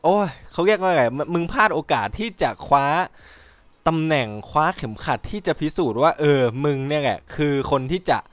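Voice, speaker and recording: A man hosting a podcast in casual chat, rambling and excitable, swearing freely and acting out quotes. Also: fairly high pitch, fairly quick, no room sound, faint music behind. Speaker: podcast host.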